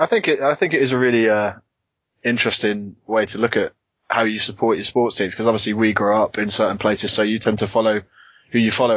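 With a British accent, a man speaks at a very fast pace and a medium pitch. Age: 20s. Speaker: podcast host. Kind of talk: casual podcast chat.

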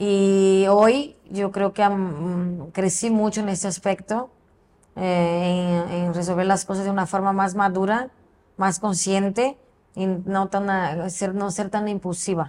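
A woman at medium pitch with a Brazilian accent, very slow in pace, her intonation fairly even. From southern Brazil. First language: Portuguese (speaking Spanish). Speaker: lawyer and business owner. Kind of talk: interview.

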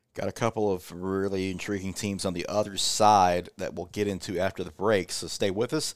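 A man's normal speaking voice, fairly low in pitch, moves at a fairly quick pace with fairly even intonation on a very clean recording with a silent background. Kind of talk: casual chat.

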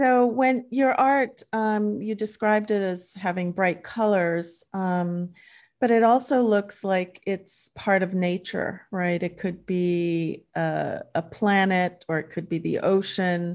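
Against a quiet background, a woman is speaking. She talks at a very slow pace. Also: medium pitch for a woman, ordinary pitch variation. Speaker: psychiatrist and podcast host. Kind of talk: interview, casual conversation.

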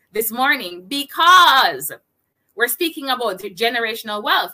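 A woman projects her raised voice in a bright, sharp tone, her pitch swinging very widely. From Jamaica. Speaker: podcast host and digital entrepreneur. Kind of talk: scripted opening monologue then interview.

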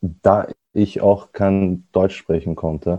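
With a very deep, low pitch, a man speaks in fairly even intonation. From Egypt and Austria. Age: 20s. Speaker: advertising professional. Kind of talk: casual chat.

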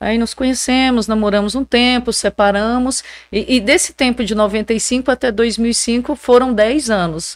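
In a plain recording that is very clean, dry and close with no echo and a silent background, a woman talks at a moderate pace. She has an unremarkable speaking voice, fairly high in pitch with ordinary variation. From Goiás, Brazil (born in Goiânia). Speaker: state legislator and mayor's wife. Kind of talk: casual interview.

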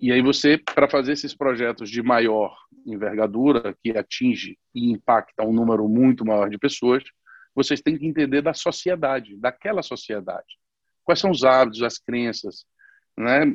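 In a normal speaking voice, a man talks at a moderate pace with medium pitch and ordinary pitch variation, recorded with a dry, close sound with no echo against a quiet background. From Brazil, Salvador da Bahia. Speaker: architect. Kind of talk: interview.

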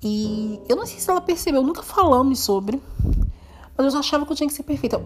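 A woman talks at a very fast pace. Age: 30s. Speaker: podcaster. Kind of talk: personal monologue. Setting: home at night. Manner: halting.

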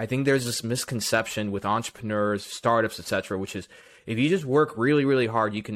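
A man's plain, everyday voice, medium in pitch with ordinary pitch variation, in an American accent at a fairly quick pace, on a very clean recording with a silent background. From Texas. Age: 30s. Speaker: podcast host. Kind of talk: casual interview.

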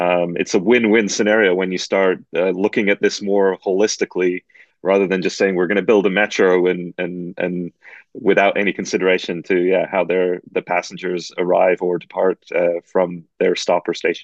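A man speaks at a moderate pace in a very deep, low pitch with monotone, flat intonation. The sound is dry and close with no echo against a quiet background. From Canada. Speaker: cycling advocate and marketing manager. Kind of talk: interview. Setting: video call.

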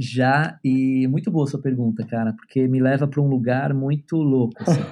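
This man's voice sits at a medium pitch with a dark, mellow tone, very even loudness and fairly even intonation. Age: 40s. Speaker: musician and music producer. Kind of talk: casual interview.

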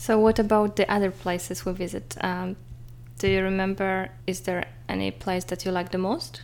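A woman with a Polish accent speaks at a moderate pace. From Poland. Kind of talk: casual chat.

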